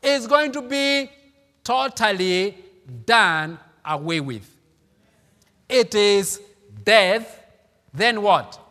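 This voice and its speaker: Bright-voiced pastor preaching. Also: male voice, high-pitched, animated, very slow, pauses often, long reverb tail. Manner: emphatic, repeats phrases, calls out hallelujah. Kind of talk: sermon.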